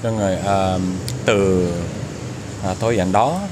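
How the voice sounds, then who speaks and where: A young American man, a native English speaker, giving casual interview answers in broken, halting Vietnamese, searching for words with a foreign accent. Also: low voice, fairly even intonation. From United States. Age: young adult. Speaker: YouTuber being interviewed. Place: open-air restaurant or cafe. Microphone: handheld small mic with windscreen, shared. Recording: noisy outdoor ambience, traffic and hum.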